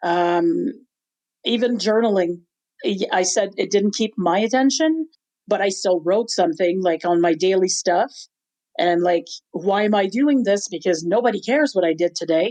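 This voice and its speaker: A woman speaks at a medium pitch in a dark, mellow tone, with lively intonation. Her pace is moderate and her loudness very even. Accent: slight French Canadian. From Quebec. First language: French. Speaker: author. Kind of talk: interview. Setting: podcast.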